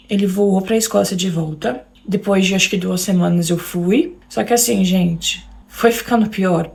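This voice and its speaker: Gravelly Brazilian woman telling her story. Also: medium pitch, darkish tone. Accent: Brazilian Portuguese. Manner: emotional, keeps addressing listeners directly. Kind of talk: personal storytelling to an audience.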